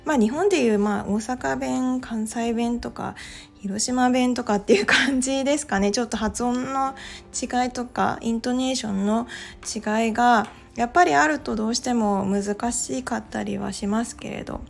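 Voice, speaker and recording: A woman's voice: fairly high pitch, normal speed, gravelly, faint music behind. A woman talking casually on her own podcast, chatty and full of little fillers as she goes. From Japan. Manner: chatty, many filler "well"s. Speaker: podcast host. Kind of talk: casual monologue.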